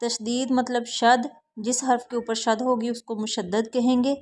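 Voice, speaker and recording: A woman teaching Quran reading in Urdu with a South Asian accent, spelling out letters slowly one by one and then explaining the rules quickly. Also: fairly high pitch, flat delivery, darkish tone. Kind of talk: slow syllable-by-syllable recitation lesson.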